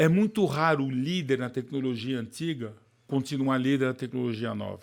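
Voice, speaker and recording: A plain, everyday voice talks at a moderate pace. The recording is very clean, with a silent background. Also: man. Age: 60s. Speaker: automotive businessman. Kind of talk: podcast interview.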